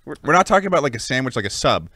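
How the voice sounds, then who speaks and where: A man co-hosting a podcast in casual chat, teasing and crude, with quick comebacks. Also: mid-range voice, sing-song, bright, forceful tone, no echo, studio quality. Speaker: podcast co-host.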